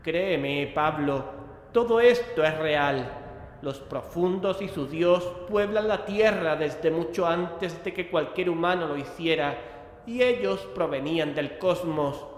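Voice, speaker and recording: An actor playing an earnest, convinced investigator of occult horrors in an audio drama. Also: male voice, fairly high pitch, slow pace. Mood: insistent. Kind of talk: audio drama dialogue and narration. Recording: echoey hall with long reverb.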